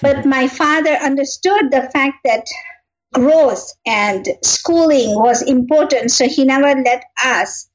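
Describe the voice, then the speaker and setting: A woman's voice: sits high, slow, rough recording. A middle-aged woman from Kenya, a guest in an interview, telling family stories in a reflective way, often saying "you know" and laughing lightly. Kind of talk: personal storytelling in an interview.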